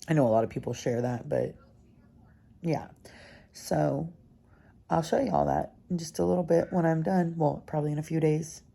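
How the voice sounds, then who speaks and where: A woman's voice: low-pitched, creaky. A sleepy young woman chatting rambly in a home vlog, with lots of fillers, from her kitchen early in the morning. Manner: chatty and rambling, many fillers, soft-spoken at times while the baby sleeps. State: sleepy, yawning. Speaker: vlogger, mother of several children. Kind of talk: casual home vlog chat.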